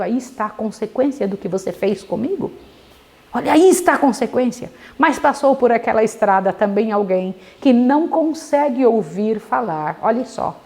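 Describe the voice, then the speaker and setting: A woman gives a devotional Bible study sermon in a high, lively voice that climbs and dips a lot. She tells the story dramatically and keeps turning to her listeners with questions.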